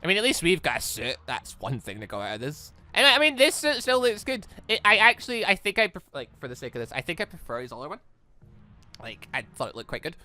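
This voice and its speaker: An excitable, chatty let's player giving casual reaction commentary on a video game. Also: mid-range voice, fast talker.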